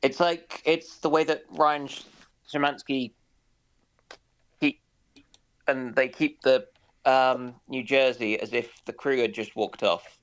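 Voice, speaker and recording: A man in casual discussion on a naval history stream, speaking haltingly with dry humour. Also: medium pitch, steady tone, poor audio. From United Kingdom.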